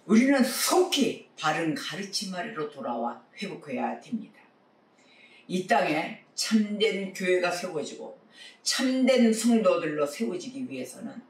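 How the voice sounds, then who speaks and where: A man's voice: fairly high pitch, reverberant, distant mic. A man preaching a sermon as pastor, earnestly exhorting his congregation.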